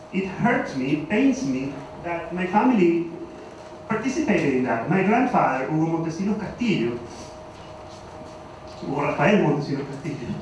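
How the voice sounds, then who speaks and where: A man from Venezuela with a Venezuelan Spanish accent, giving an academic conference talk in a hesitant, self-deprecating way with many fillers and restarts. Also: fairly high pitch. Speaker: conference speaker. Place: university conference hall. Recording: echoey hall, far from the mic, faint hiss.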